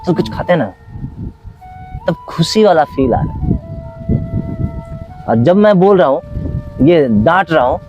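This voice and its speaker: A man's voice: on the high side, lively intonation, unhurried, pauses often, muffled recording, over music. A man who teaches dance, talking philosophically in an outdoor conversation and acting out little scenes in other voices. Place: outdoors under a tree.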